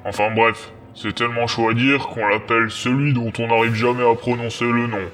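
A man voicing a gruff guardian who cracks deadpan jokes, in a fan cartoon dub. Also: mid-range voice, moderate pace, soft background music, lightly acted. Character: big gruff joking male guardian.

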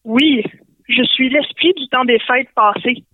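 A sultry, drawn-out male spirit, voiced by a woman with a Québécois accent. He lingers over every word in a teasing way. The voice comes through a narrow, phone-like line. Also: high-pitched, slightly rough, no room sound. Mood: suggestive. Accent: Québécois French. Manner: slow, suggestive. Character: seductive male spirit, slow and suggestive.

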